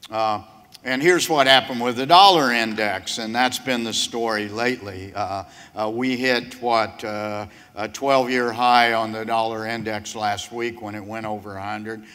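Fairly slow in pace, a man talks with fairly even intonation. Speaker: keynote speaker. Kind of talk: conference keynote talk. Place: hall. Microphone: podium.

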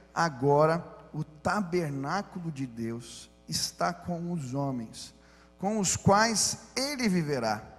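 With music playing in the background, a man speaks very slowly with lively intonation. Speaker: youth pastor. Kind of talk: sermon. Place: church. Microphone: handheld.

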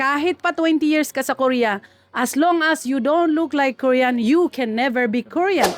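In a very clean recording with a silent background, a woman speaks in a high pitch. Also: ordinary pitch variation, fairly slow pace, very even loudness, dry, close sound with no echo. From Philippines. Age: 40s. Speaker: Filipino community leader in Korea. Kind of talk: interview.

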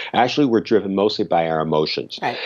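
This man's voice is fairly low, and he talks in an American accent. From United States. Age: 60s. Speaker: author and social justice advocate. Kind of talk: interview. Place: home room. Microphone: earbuds.

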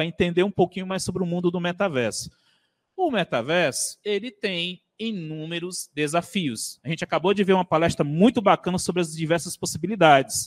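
A man's high-pitched voice at a fairly quick pace, with ordinary pitch variation over a quiet background. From Brazil, Fortaleza (Ceará); Ceará, Brazil. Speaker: tech conference speaker, IT innovation coordinator; conference speaker. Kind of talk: conference talk; lecture. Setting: stage with live audience. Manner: casual, filler-heavy (né, aí). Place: stage.

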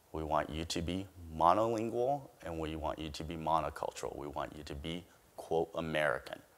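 A man with a Chinese accent is speaking at a fairly quick pace. His pitch is very deep and low. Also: ordinary pitch variation. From immigrated to US as child from Chinese-speaking country. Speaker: school superintendent. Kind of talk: conference keynote. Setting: stage with audience. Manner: casual, conversational with filler words. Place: stage. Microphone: lapel.

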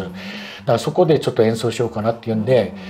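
A man at a very fast pace over light background noise. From Japan. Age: 80s+. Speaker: musician, former care home director. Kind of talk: interview answer. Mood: relaxed, reminiscing. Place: home room. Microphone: lapel.

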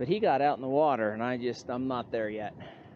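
Over light background noise in a dry sound with no echo, a man talks at a moderate pace with ordinary pitch variation. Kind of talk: casual vlog chat. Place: waterside. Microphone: phone near.

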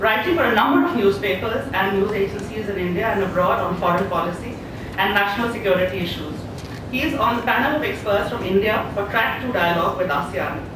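A woman speaks at a very fast pace. Strong room echo and noticeable background noise fill the recording. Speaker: event host introducing the speaker. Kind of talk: formal introduction. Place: hall. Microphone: podium.

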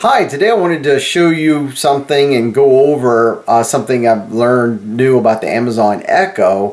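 Lively intonation from a man at a moderate pace, with hardly any pauses. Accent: American. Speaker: tech how-to video creator. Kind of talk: tutorial. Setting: screen recording with voiceover. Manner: halting, filler-heavy. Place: home room. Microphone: webcam.

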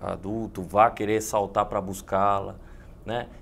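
Here a man is speaking. His pitch is fairly low. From Bauru, interior of São Paulo state. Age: 30s. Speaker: fire department captain. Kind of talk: studio debate. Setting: studio. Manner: formal. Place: studio.

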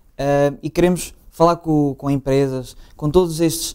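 A man's fairly high voice with a dark, mellow tone, fairly even intonation and a fairly slow pace over a quiet background. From Portugal, Figueira da Foz area; Portugal. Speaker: student and youth association president; interviewee. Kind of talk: interview. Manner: halting, many fillers. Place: studio.

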